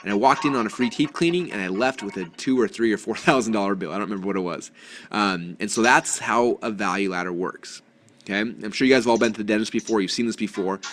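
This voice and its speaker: A man's voice: lowish voice, fast talker, a bit bright, slight background noise. A man presenting a business webinar, eager and chatty, often restarting phrases and acting out little dialogues. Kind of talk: energetic business webinar talk.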